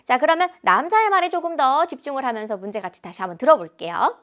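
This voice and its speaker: A woman English teacher explaining exam answers in a lecture, animated and mixing in English examples. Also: sits high, fast. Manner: animated, switches between Korean and English examples.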